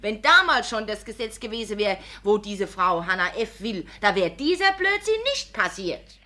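A woman's voice: mid-range voice, big pitch swings, normal speed, sharp tone, faint music behind. A woman playing a feisty, argumentative character who speaks emphatically and combatively. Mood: indignant.

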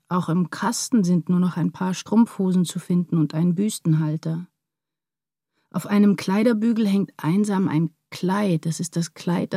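A brooding, anguished woman writer in a literary radio play. Her voice sits on the low side, with a dark, mellow tone. She speaks inwardly and with measure, as if confiding her obsession. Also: dry recording, studio quality. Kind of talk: literary radio drama monologue and dialogue.

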